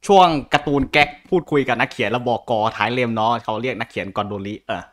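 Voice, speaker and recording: A man co-hosting a chat. His pitch is average for a man. He explains things informally, hesitating and doubling back on words as he goes. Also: fast talker, fairly bright tone. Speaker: co-host.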